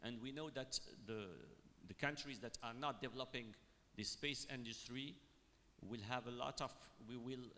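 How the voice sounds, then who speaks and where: A man from Morocco speaking on a panel, halting and full of fillers and restarts. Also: mid-range voice, fairly even intonation, bright, forceful tone, slight background noise. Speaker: university panelist. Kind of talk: panel discussion remarks. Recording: long hall reverb.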